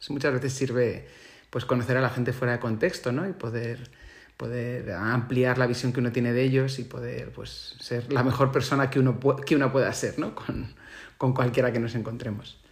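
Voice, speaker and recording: Man, Spain Spanish accent, solo podcast monologue, reflective, thoughtful, pauses for words, middle pitch. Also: fairly even intonation.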